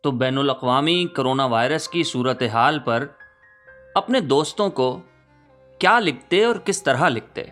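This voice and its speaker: Bright-voiced man introducing a reading. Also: mid-range voice, lively intonation, faint music behind. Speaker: dramatic reader introducing the piece. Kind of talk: scripted introduction.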